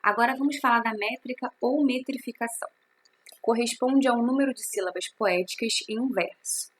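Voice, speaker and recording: A woman's voice: fairly high pitch, a little hiss or hum. A woman, teaching a recorded literature class and explaining step by step, asking and answering her own questions.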